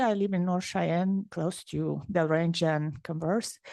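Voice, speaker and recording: Speaking with a Romanian accent and a dark, mellow tone, a woman shows ordinary pitch variation over a quiet background, in a dry, close sound with no echo. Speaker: public commenter. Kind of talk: public comment at meeting. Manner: halting.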